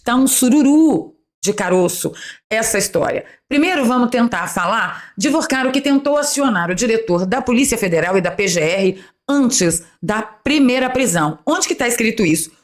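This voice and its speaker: A Brazilian woman in her fifties talks through current affairs in a vlog, addressing her viewers directly. Her voice sits a little high for a woman, and her delivery is sarcastic and indignant. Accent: Brazilian Portuguese. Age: 50s. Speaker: political commentary host. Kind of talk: opinion commentary vlog.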